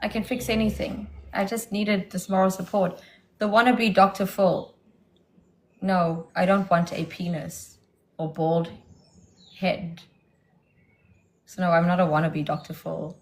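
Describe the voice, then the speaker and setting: A woman's voice: on the low side, level tone, measured pace, long pauses. A woman hosting a casual livestream, answering a caller with defiant, mocking comebacks. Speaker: livestream host.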